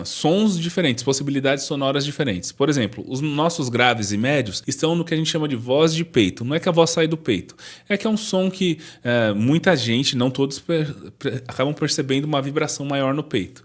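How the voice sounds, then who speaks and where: A man's voice: a little high, animated, brisk, few pauses. A man teaching voice lessons, explaining vocal registers directly to the viewer. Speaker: singing teacher. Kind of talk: vocal lesson with sung demonstrations.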